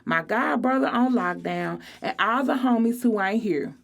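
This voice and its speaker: A woman's voice: fairly high pitch, expressive, moderate pace, vocal fry, voice pushed up. A woman voicing a brash, boastful teenage girl with a sassy, snappy, slangy delivery in a storybook reading. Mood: loud, sassy.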